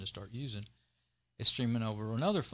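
The speaker is male. His voice rises and falls in a normal manner. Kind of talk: casual tech vlog chat. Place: home room.

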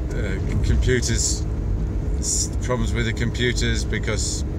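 Over loud background noise, a man talks in a dry recording with no echo. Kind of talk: casual vlog chat. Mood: wry, amused complaining. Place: car. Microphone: phone near.

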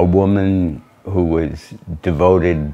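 A man talks at a very slow pace with monotone, flat intonation. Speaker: documentary filmmaker or interviewee. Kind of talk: documentary narration. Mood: warm, admiring. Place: home room.

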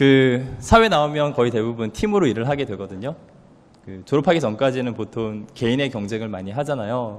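Big swings in loudness mark this man's speech. His medium-pitched voice moves fairly quickly with ordinary pitch variation. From South Korea. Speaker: tech company executive and alumnus speaker; speaker. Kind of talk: commencement-style motivational speech. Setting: university gymnasium stage with audience. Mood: warm, smiling, reflective. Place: hall. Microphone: podium.

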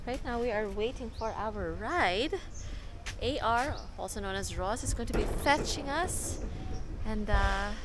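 A woman talks at a fairly slow pace with long, frequent pauses. The sound is dry with no echo, and there is noticeable background noise. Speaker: travel vlogger. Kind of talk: casual vlog chat. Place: garden. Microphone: phone near.

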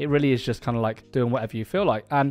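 Faint music sounds in the background. A man's pitch varies in an ordinary way as he talks. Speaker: fitness coach. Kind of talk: tutorial. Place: home room. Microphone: studio mic.

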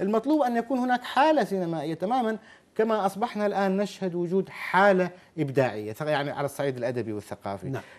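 The voice moves at a fairly quick pace, its pitch swinging very widely. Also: man, high pitch for a man. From Oman, Al Majaz Al Sughra village; Oman. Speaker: writer and filmmaker; guest. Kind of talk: TV interview. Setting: studio. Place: studio. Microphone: lapel.

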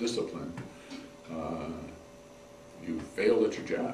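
Through light background noise and audible room echo, a man with an American accent talks at a fairly slow pace. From western New York. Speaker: Marine Corps veteran, former drill instructor. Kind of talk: oral history interview answer. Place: classroom.

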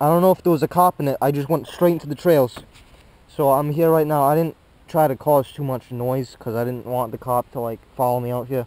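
At a fairly quick pace, a man speaks with ordinary pitch variation in a dry sound with no echo. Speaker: ATV rider vlogger. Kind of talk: casual vlog chat. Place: forest. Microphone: phone near.

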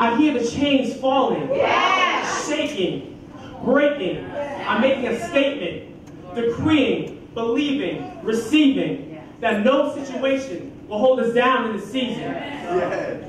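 A man with an extremely high pitch speaks at a very slow pace, his intonation lively. Audible room echo and noticeable background noise are present. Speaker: spoken word poet. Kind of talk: spoken word poetry performance with religious content. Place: church.

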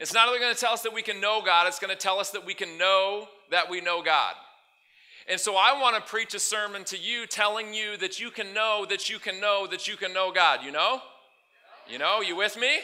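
Speaking fairly quickly, a man uses a raised, projected voice with a bright, sharp tone. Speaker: pastor. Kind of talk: sermon. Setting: church. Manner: animated. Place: church. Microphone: headset.

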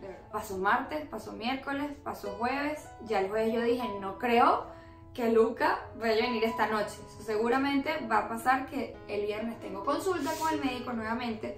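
Clear music plays behind a woman whose pitch varies in an ordinary way, and the room echo is audible. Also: moderate pace. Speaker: new mother vlogger. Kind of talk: casual vlog chat, storytelling. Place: home room. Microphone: camera far.

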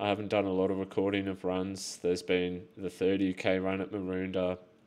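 Here a man speaks at a fairly slow pace. His pitch is very deep and low. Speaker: runner vlogger. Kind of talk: casual vlog chat. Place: home room. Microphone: lapel.

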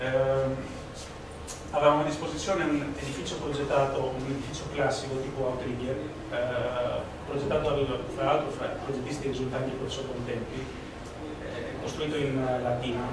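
Against loud background noise and audible room echo, a man talks with long, frequent pauses. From Greece. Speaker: structural engineer. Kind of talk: lecture. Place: classroom. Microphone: camera far.

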